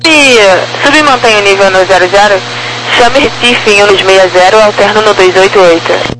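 A Brazilian-accented air traffic controller speaks in clipped, procedural phrases over a crackly, military-style radio. The pitch is mid-range, and a clear hum and static run under the voice. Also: moderate pace. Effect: crackly aviation radio.

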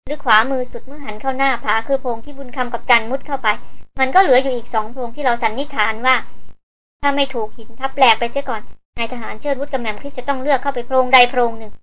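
Woman doing steady, probing male hunter leader, high-voiced. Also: slight background noise, poor audio. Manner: measured, questioning.

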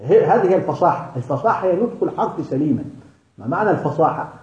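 Male tajweed teacher with an Egyptian accent and a somewhat high voice, teasing and patient, in an echoey room on a dull lo-fi recording. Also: animated, a little mellow. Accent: Egyptian Arabic. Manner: jokes lightly, breaks into laughter; drills letter sounds slowly one by one. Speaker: Quran recitation teacher. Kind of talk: lecture on tajweed.

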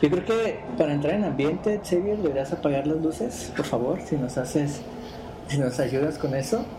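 A man's voice: fairly high pitch, animated, normal speed, background noise. A man hosting a podcast, chatting casually and reading stories aloud. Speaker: podcast host.

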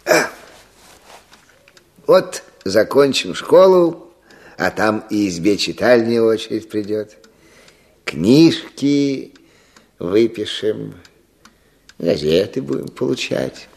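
An actor playing a weary, patient older village official in a Russian radio play, with an unhurried, avuncular, sighing manner. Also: male voice, on the low side, very animated, creaky, a little mellow, exaggerated voice. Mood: patient, thoughtful.

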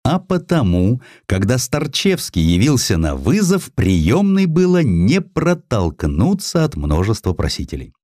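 A man narrating a historical tale from a script in an expressive, theatrical storytelling manner. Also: mid-range voice, measured pace, hardly any pauses, no echo, clean studio sound. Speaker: audiobook narrator.

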